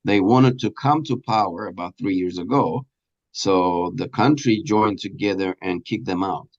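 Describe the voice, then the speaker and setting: A man being interviewed, explaining earnestly in a halting, deliberate way with pauses mid-sentence. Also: low voice, a little mellow, dull audio. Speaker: radio presenter and producer being interviewed.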